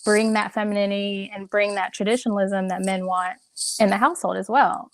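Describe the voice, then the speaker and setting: A woman's voice: medium pitch, steady tone, brisk, dry recording. A woman with a mid-range voice speaks earnestly, building her point step by step. The recording is dry and close. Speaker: caller. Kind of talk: casual live-audio chat.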